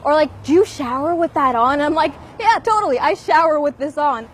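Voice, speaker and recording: A young woman answers with lively, sarcastic animation. Her voice sits fairly high. She speaks outdoors with a faint hum of noise around her. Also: a little fast. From born in Pakistan, raised in the United States. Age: young adult. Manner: animated, mimics others' questions with sarcasm. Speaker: university student interviewee. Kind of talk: candid interview answers.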